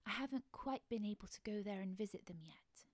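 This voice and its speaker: A woman narrating a bedtime story in a soft, gentle voice that often drops to a hushed whisper. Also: medium pitch, brisk, no echo.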